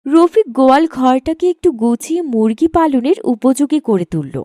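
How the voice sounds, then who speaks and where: High, lively, mellow female storyteller. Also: moderate pace, no echo, studio quality. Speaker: narrator. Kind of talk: scripted cartoon story narration.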